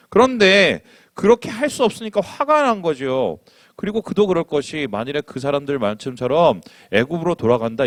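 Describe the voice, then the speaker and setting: A male pastor preaching a sermon in an animated way, asking the congregation questions and acting out quotes. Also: medium pitch, dry recording.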